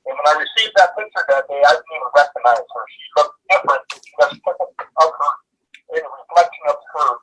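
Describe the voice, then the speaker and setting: A man calling into a show, telling his story in an anxious, halting, rambling way. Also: fairly high pitch, lively intonation, pushed and bright, slightly rough. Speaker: caller. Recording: distant phone line.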